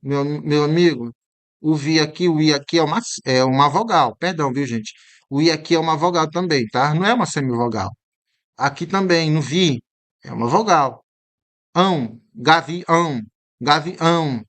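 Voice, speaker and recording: A man teaching an exam-prep lesson with a somewhat raised voice. He talks in a chatty, emphatic way, keeps checking in with the viewer with little tag questions, and says key words slowly and more than once to show how they sound. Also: fairly high pitch.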